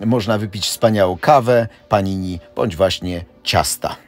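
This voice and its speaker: A middle-aged man with a husky voice, a tour guide narrating a voice-over and listing facts steadily. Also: low-pitched, a little slow. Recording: voice-over with faint background music. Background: faint music.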